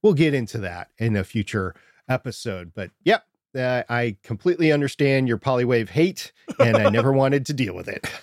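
Quiet-voiced man in a home studio. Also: medium pitch, expressive, normal speed, dry recording. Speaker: podcast co-host. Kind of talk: casual tech chat.

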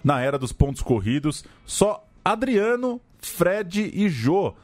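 A man's voice: high voice, sing-song, slow pace. A Brazilian man hosting a casual football chat in an irreverent, sweary, emphatic way. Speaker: podcast host.

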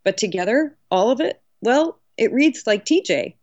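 A woman's voice: fairly high pitch, animated, moderate pace, a little mellow, no room sound, pitched above the performer's own voice. A woman reading the part of an earnest, learned male colonial law professor, didactic and emphatic, from a historical novel. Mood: earnest, instructive. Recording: dull lo-fi audio.

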